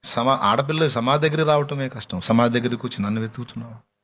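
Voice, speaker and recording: A man preaching a sermon with passion, moving between hushed, tender speech and heartfelt pleading, with a Telugu accent. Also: mid-range voice, fast talker. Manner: impassioned preaching that breaks into song, soft and hushed at times. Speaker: pastor. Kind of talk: sermon with sung worship.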